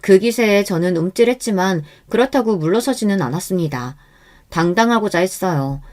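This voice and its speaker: A woman tells a first-person story in calm, even scripted narration. Her voice is mid-pitched and steady. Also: moderate pace.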